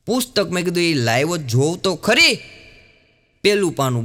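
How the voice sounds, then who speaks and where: A man's voice: fairly high pitch, a bit bright, long reverb tail. A man telling stand-up jokes in a chatty way, often calling the audience sir. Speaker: comedian.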